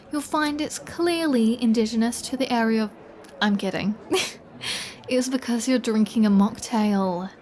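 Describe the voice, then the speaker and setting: A woman's voice: fairly high pitch, a little mellow, close to an everyday voice. A woman playing a flirty, playful vampire who teases in a chatty, self-assured way, as in an intimate roleplay audio. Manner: teasing, chatty, unhurried.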